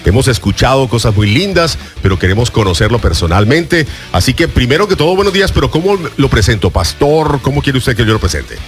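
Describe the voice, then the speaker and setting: A man's voice: mid-range voice, sing-song, fairly quick, faint music behind. A man hosting a Christian radio show, interviewing a pastor and affirming his answers with phrases of faith. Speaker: radio host.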